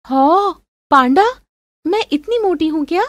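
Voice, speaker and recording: Lady doing spoiled whiny young girlfriend, high pouty voice, dry sound. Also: expressive, unhurried, no room sound. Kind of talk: melodramatic audio story acting.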